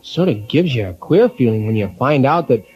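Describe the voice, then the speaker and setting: A man's voice: medium pitch, animated, a little fast, a little mellow, slightly rough, faint music behind, rough recording. An actor playing an eager young male companion in a 1940s radio drama.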